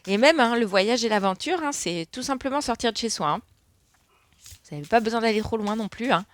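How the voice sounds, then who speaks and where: A woman's voice: a little high, animated, fairly quick. A middle-aged woman giving a casual spoken card reading, rambling with many fillers. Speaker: tarot card reader.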